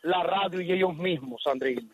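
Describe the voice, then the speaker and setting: High-voiced man halting on a phone line. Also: breathy edge, no room sound. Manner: halting, many fillers and restarts. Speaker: radio caller. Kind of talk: casual call-in opinion. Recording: muffled phone line with faint hiss.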